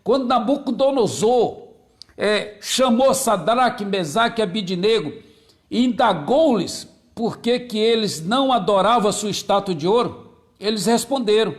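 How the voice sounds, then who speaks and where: A male pastor preaching a sermon, repeating key phrases and greeting viewers by name between points. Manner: slows and drops low on key phrases, repeats them.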